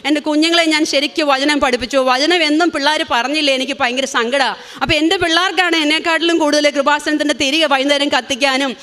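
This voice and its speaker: A woman's voice: sits high, fast talker, fairly bright tone. A woman in her forties with a Kerala Malayalam accent, giving an earnest, emotional religious testimony. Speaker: testimony speaker.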